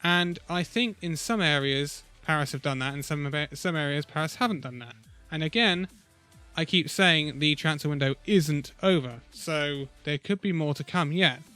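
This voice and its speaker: A man who is a little ill and losing his voice gives an opinionated, conversational esports roundup with pauses. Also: fairly high pitch, bright, forceful tone, clean tone, faint music behind. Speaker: esports video host. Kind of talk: casual esports commentary vlog.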